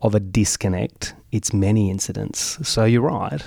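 A man with an Australian accent, fairly low pitch, and fairly even intonation. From regional Victoria, Australia (Mildura area). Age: 50s. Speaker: mayor. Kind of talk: casual interview. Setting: in-person interview in Mildura.

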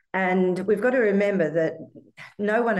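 A woman's fairly quick delivery with ordinary pitch variation. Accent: Australian. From Australia. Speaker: etiquette trainer and consultant. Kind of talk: interview conversation.

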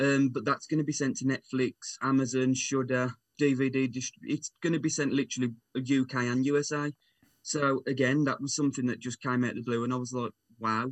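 A man speaks at a moderate pace in a medium pitch. His intonation is flat and monotone. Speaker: film maker. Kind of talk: casual interview.

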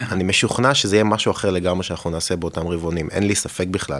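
This man has a very deep, low voice. His pitch varies in an ordinary way. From northern Israel, Kiryat Shmona. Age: 40s. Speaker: tech innovation executive. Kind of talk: interview.

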